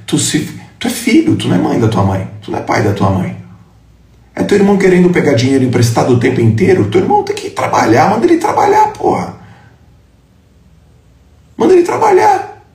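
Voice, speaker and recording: A man's voice: medium pitch, very animated, quick pace, darkish tone. A man giving a live motivational talk, blunt and profane, confronting his listeners with emphatic, punchy lines. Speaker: motivational speaker. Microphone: live stream. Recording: echoey room.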